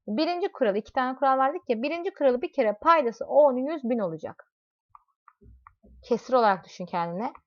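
A high-pitched, expressive woman teaches a math lesson briskly, captured on a dull lo-fi recording. She explains through everyday examples and addresses her students directly as "you," quizzing them along the way.

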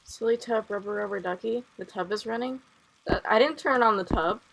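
A woman's voice: medium pitch, brisk, gravelly, slightly rough, rough recording. A young woman on a headset mic, playing a horror game and commenting nervously, laughing and asking questions. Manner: nervous, giggly, full of questions. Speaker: gaming streamer.

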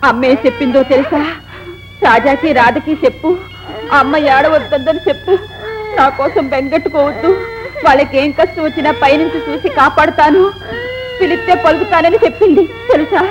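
An actress playing a tender village aunt who consoles orphaned children in a tearful way. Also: female voice, sits high, fairly even intonation, brisk, lo-fi sound, over music, natural voice. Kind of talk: 1970s Telugu film acting. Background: film score.

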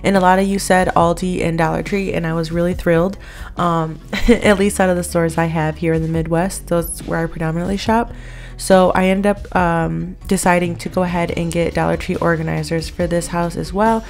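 A woman's voice: fairly low pitch, flat delivery, moderate pace, a little mellow, soft background music. An American woman talking casually in a chatty, rambling, conversational vlog voice-over. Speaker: vlogger.

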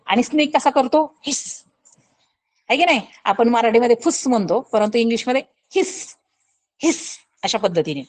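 A woman teacher with a Marathi accent leads a scholarship-exam coaching lesson. Her voice sits a little high, and she explains slowly. She often asks the pupils rhetorical questions and imitates animal sounds. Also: poor audio. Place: recorded online lesson.

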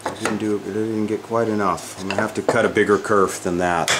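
Older man, lowish voice, casual shop demo, thinking aloud, tools clattering in the background. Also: fairly even intonation, a little fast, heavy background noise. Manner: thinking aloud while working, frequent restarts. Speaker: woodworking instructor. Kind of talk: casual workshop demonstration. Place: indoor woodworking shop.

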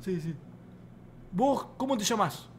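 A man's voice: sits high, expressive, slow, a little hiss or hum. A young Argentine man streaming, improvising comic dubs in a playful, mocking way. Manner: playful, mocking, loud laughing outbursts.

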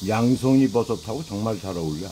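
A man's voice: lowish voice, animated, brisk, warm tone, slight background noise. A middle-aged man hosting an eating show, talking while chewing his food. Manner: playful, exclaims "wow" often. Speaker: mukbang host. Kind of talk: casual eating-show talk.

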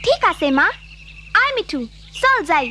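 A woman's voice: very high voice, sing-song, unhurried, very noisy, exaggerated voice. A woman voicing a brave, eager young village girl in a cartoon. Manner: eager, chatty. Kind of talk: cartoon voice acting. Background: loud music.

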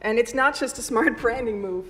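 A woman's voice: on the high side, moderate pace. Woman speaking in a reverberant hall. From Switzerland. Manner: lively, self-deprecating, laughs often. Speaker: keynote speaker. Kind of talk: conference talk. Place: large conference hall.

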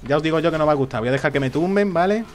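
A man's voice: on the high side, rapid-fire, slight background noise. A man giving live, jokey commentary on a shooter game and taunting the enemies. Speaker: gameplay commentator.

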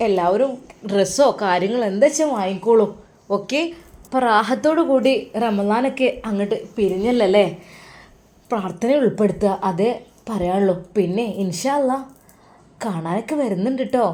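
A woman voicing a warm older Arab lady who speaks slowly and affectionately, full of blessings. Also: medium pitch, natural voice. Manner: slow, affectionate, fond of blessings.

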